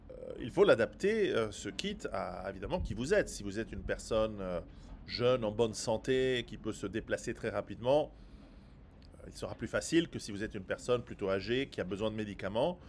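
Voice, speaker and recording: Animated man, not a native French speaker. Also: lowish voice, slight background noise. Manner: rambling, animated, with many restarts and sarcastic asides. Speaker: survival author and video host. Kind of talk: direct-to-camera commentary.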